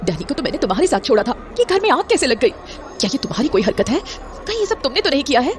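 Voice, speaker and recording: An anxious, protective mother, speaks with alarm and sternness in a high voice that moves widely. Dramatic music runs behind this audio drama performance. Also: big pitch swings, racing. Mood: stern suspicious. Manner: alarmed, emotional, switches into English phrases. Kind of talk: Hindi horror audio drama acting.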